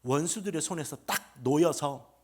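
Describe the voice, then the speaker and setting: Middle-aged pastor w/ gyeongsang accent, pretty high voice, preaching loud then dropping to a murmur. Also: male voice, normal speed, breathy edge. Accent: Gyeongsang Korean. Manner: emphatic preaching, swings from loud proclamation to hushed murmur. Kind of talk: revival sermon.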